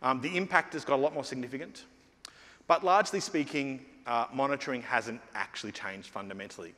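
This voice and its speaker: A man's voice: medium pitch, fairly quick, bright, forceful tone. Man giving a conference keynote. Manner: conversational, many fillers and restarts. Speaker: keynote speaker. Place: large conference hall stage. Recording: long hall reverb.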